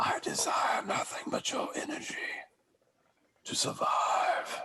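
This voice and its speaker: A man puts on a character voice, raspy and extremely high in pitch. He speaks at a fairly slow pace. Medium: actual play. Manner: menacing.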